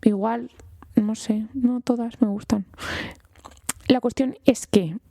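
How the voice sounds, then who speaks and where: A woman doctor with a Spanish accent from Spain hosts a casual health podcast, chatting eagerly and addressing her listeners directly. Her fairly high voice is gravelly yet mellow and dark, with fairly even intonation and a slow pace. The recording is dry and close, with no echo.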